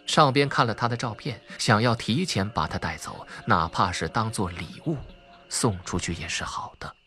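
A man's voice: on the low side, normal speed, sharp tone. A man reading a novel as dramatic scripted narration. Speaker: audiobook narrator. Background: background music.

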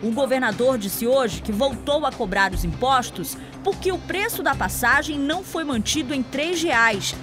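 A woman news reporter with a Brazilian Portuguese accent from Amazonas, reading a scripted voice-over in a measured, informative way. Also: high-pitched, lively intonation. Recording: voice-over with background music.

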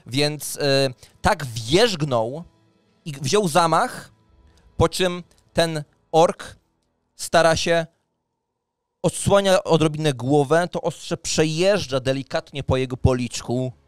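A man in his thirties with a fairly high, smooth voice narrates a tabletop fantasy game as game master, taking it slowly and describing scenes with dramatic storytelling. He wears a headset and speaks into a close mic on a boom arm, with a dry, clean studio sound and music in the background.

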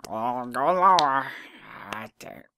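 A man's voice: mid-range voice, expressive, slow, bright, forceful tone, slight background noise, pitched below the performer's own voice, exaggerated voice. A man voicing a creepy, lewdly pleased figure in a comedic sketch.

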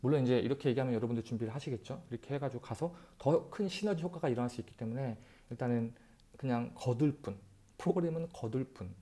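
A man in his thirties, a channel host, gives casual advice to camera in an animated way, using rhetorical questions and speaking into an earphone mic in a bright room. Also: mid-range voice, fast talker. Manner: animated, gestures a lot, talks directly to viewers with rhetorical questions. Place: bright room by a window, indoors. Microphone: wired earphone mic.

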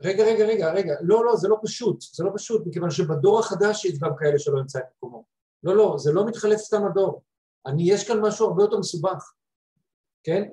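A man's voice: sits high, mellow, reverberant, poor audio. A man speaking emphatically, explaining his points in an online panel discussion over a video call.

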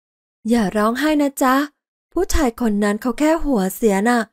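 A woman voicing a kind young woman who speaks softly and slowly to calm a frightened child. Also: on the high side, close to an everyday voice. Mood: soothing. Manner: soft, gentle, reassuring.

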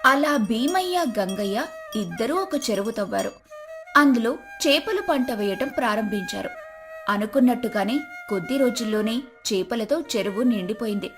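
A woman's voice: on the high side, animated, normal speed. A woman narrating a scripted moral folk story. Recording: flute music behind the voice.

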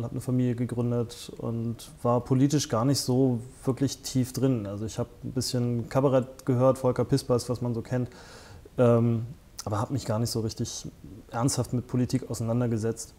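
Wearing a lapel mic, a northern German man in his forties who founded a festival talks as a guest in a conversational interview, seated on a small armchair studio set. His voice is mid-range and warm, and his speech is hesitant, full of fillers and restarts.

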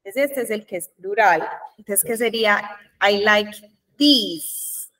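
Slow-speaking woman teaching English. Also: mid-range voice, a bit bright, distant mic, low-quality recording. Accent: Colombian Spanish. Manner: slow, drawn-out model sentences, frequent "¿Listo?" checks. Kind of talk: classroom lesson explaining grammar.

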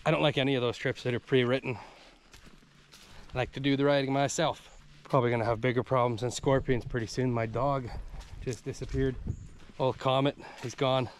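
A man's voice: mid-range voice, fairly even intonation, fairly quick, slight background noise. A male travel vlogger talking casually and joking to himself while hiking outdoors in a rainforest, recorded on a handheld camera. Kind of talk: casual solo travel vlog narration.

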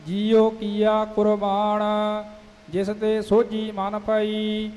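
A man recites scripture in a steady sing-song chant, one line at a time. His voice sits high and barely moves in pitch, and he takes each line very slowly. A long hall reverb hangs behind him, with faint music underneath.

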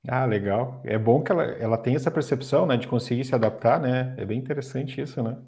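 A man's voice: mid-range voice, brisk, mellow. A middle-aged man, hosting a live stream and reading viewers' questions. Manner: reads viewer questions, agreeable interjections. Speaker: host. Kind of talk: casual chat on a live stream.

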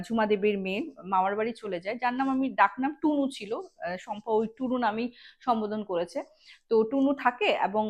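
A woman of tells a ghost story casually, explaining in asides and speaking straight to her listeners. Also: fairly high pitch. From Assam, India. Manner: conversational, explains asides and addresses listeners directly.

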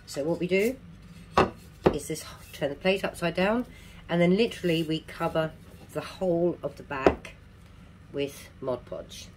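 A middle-aged woman with a low voice and toothless, softened articulation walks through a craft demonstration. She takes it slowly and casually, repeating key instructions. She is recorded at a home table with noticeable background noise. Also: poor audio. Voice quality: toothless, slightly slurred articulation. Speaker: craft tutorial presenter.

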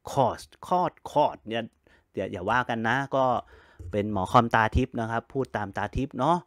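A man's voice: medium pitch, fairly even intonation, fairly bright tone, no echo, clean studio sound. A man giving a casual computer tutorial, walking through each step, spelling letters with a phonetic alphabet, and stretching out fillers. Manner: frequent drawn-out fillers. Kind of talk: casual screen-reader tutorial.

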